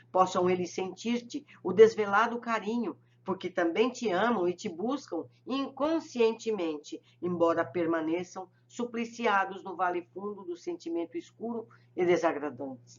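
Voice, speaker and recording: A reader voicing a serene male spirit mentor who prays in a solemn, gentle, measured way, recorded a little muffled. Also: medium pitch.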